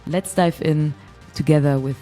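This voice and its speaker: Podcast host, woman from Germany, low pitch, chatty, laughs easily. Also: fairly even intonation, normal speed, dark tone, soft background music. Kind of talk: casual podcast interview. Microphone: remote call.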